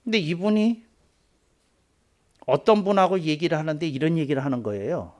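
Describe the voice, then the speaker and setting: A Korean man who is a pastor, preaching a sermon in a storytelling way that slows down for emphasis. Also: darkish tone. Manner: storytelling, voicing quoted people with rising pitch and force.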